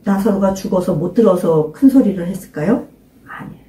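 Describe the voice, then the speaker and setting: With a medium-pitched, mellow voice that's animated and a little fast, an older woman pastor gives an informal sermon to a small congregation. She presses her listeners with emphatic questions and calls on them to pray out loud, recorded from a distant mic with roomy echo.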